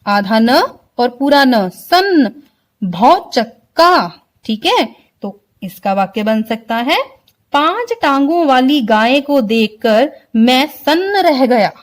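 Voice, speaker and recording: Slow, lively-voiced woman Hindi teacher. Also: high-pitched. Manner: slow, explains word by word, keeps asking if clear. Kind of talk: online vocabulary lesson for children.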